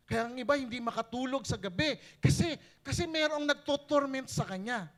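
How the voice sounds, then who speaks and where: A male pastor preaching a sermon, switching between Tagalog and English with animated, rising emphasis. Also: very high-pitched, brisk.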